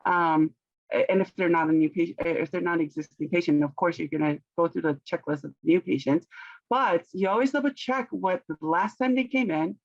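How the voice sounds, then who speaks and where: A woman speaks English as her second language, pausing to find the right word and laughing lightly between thoughts. The sound is dry and a bit muffled, as if on a modest mic. She is a company founder explaining her services in an interview. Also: fairly low pitch, no room sound. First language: not English. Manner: thoughtful, searches for words, laughs often. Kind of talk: conversational business interview.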